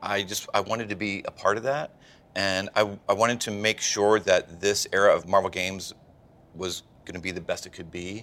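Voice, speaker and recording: At a moderate pace, a man with a fairly low pitch and a bright, sharp tone speaks with fairly even intonation and big swings in loudness. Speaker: video game creator. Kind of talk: casual interview. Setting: live at a gaming expo.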